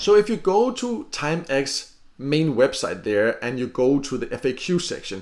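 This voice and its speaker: Over a silent background in a very clean recording, a man with a non-native accent speaks at a fairly high pitch with very wide pitch swings. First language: not English. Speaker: online earning reviewer. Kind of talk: screen-recorded tutorial review. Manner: hesitant, many fillers and repeats.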